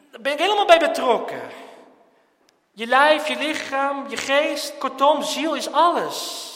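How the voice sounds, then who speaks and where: A man preaching a sermon, swinging between loud pleading and quiet, earnest speech. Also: on the high side. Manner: impassioned, swings from shouting to quiet. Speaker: pastor. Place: church. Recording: echoey church hall.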